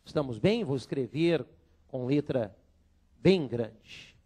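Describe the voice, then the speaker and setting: A man's voice: medium pitch, expressive, slow pace, warm tone, husky. A man teaching Portuguese grammar to law students, drilling them with call-and-response repetition in a filmed lecture room.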